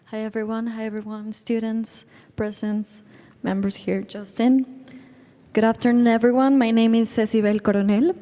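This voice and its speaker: A woman with a foreign accent asking a question at a town hall, deliberate and appealing as she recites figures. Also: fairly high pitch, flat delivery, dark tone. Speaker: audience member asking a question. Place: large university hall. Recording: long hall reverb.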